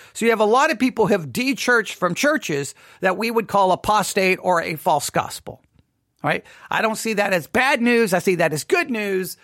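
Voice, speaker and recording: Recorded at studio quality with no room sound, this podcast host has a high-pitched, somewhat bright voice. Speaking alone in earnest commentary, he keeps stressing points and restarting sentences, and at one moment his voice falters.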